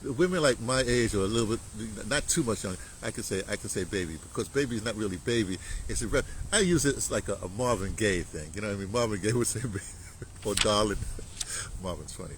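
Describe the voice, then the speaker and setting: A man's voice: lowish voice, quick pace, slight background noise, rough recording. A man in his seventies, talking in a rambling, casual monologue that is full of restarts and slang, chuckling now and then. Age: 70s. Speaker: commentator.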